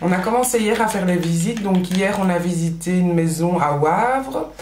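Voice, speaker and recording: A woman's voice: on the low side, animated, normal speed, a little mellow. Woman, Belgian French accent, native Dutch speaker, casual rambling chat, roomy echo. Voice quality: chatty, many fillers and restarts. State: pregnant. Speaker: vlogger. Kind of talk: casual chat while doing makeup.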